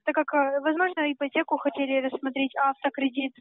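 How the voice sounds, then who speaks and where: A woman's voice: high voice, little pitch movement, fairly quick, no room sound. A woman working as a bank telemarketer, formal, polite and persistent on a sales call. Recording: dry, tinny telephone line.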